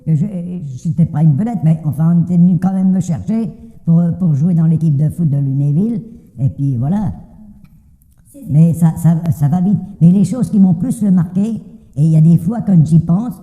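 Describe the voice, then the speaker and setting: A man's voice: on the high side, moderate pace, mellow. An older man giving a casual personal testimony in a colloquial, plain-spoken way, often repeating words hesitantly. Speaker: interviewee giving an anonymous testimony. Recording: very muffled, reverberant hall-like sound.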